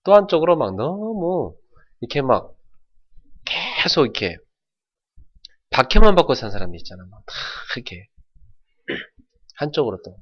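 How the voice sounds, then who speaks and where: A middle-aged man from North Jeolla preaching a sermon as pastor, telling folksy stories and shouting out imitations. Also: on the high side, very animated, normal speed, long pauses, breathy edge, lo-fi sound. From North Jeolla, South Korea.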